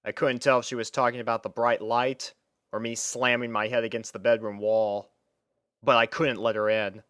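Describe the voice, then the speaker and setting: A man voicing a lonely, bewildered male college student in a deliberate, theatrical audiobook-style reading with dramatic pauses. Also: mid-range voice, little pitch movement, a bit bright, clean tone, no room sound, clean studio sound, natural voice. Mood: puzzled.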